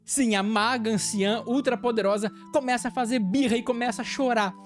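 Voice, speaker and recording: Chatty Brazilian woman, high voice. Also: a little fast, faint music behind. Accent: Brazilian Portuguese. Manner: animated, chatty, laughs often. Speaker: anime channel host. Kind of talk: casual anime episode recap.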